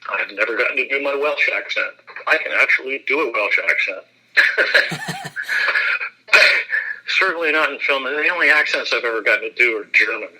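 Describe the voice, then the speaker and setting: A man, an actor, giving a relaxed and self-deprecating interview, laughing often as he talks. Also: medium pitch, normal speed, long pauses, breathy edge, poor audio.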